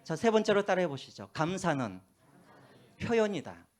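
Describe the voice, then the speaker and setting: A pastor preaching a sermon, telling stories with a lively voice and dropping to quiet asides, with a faint Jeolla accent. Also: male voice, sits high, normal speed. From Korea, Gwangju. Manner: animated storytelling, drops to hushed asides. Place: church.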